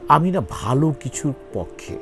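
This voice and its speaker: Male actor guest, gravelly, emphatic and sincere, interview chat. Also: a little high, very animated, moderate pace, faint music behind. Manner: earnest, emphatic, pleading. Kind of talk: interview conversation.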